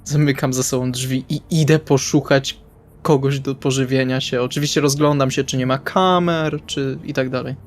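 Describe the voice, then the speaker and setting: A man playing a tabletop RPG, narrating his character's actions in the first person in short, deliberate phrases. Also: medium pitch, steady tone. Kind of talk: first-person roleplay narration over game session. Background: soft guitar music.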